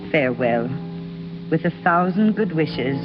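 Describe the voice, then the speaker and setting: Casting: devoted elderly sister, gentle and earnest, mid pitch, music under, dull vintage radio sound. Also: female voice, lively intonation, unhurried. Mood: tender. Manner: gentle, earnest letter reading. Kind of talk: 1930s radio acting. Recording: muffled old radio broadcast.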